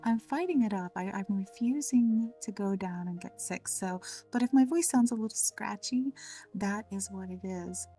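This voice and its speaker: A woman with a slightly scratchy voice from a cold, gently narrating a step-by-step craft tutorial in a chatty way. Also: mid-range voice, normal speed, recorded from a distance, faint music behind. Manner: gentle, chatty, fond of the word little. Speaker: craft channel host.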